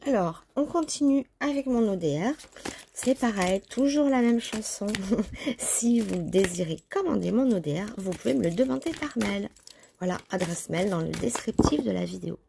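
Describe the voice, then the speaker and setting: A woman's voice: mid-range voice, expressive, moderate pace, vocal fry, warm tone, slight background noise. A woman chatting casually as she lays out a tarot reading, talking to herself while she handles the cards. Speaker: tarot reader.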